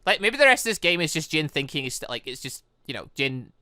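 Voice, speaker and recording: Very animated, bright-voiced gaming commentator. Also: mid-range voice, brisk, no room sound, studio quality. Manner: animated, exclamatory, rambling asides. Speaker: gaming channel host. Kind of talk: playthrough commentary mixed with reading game dialogue aloud.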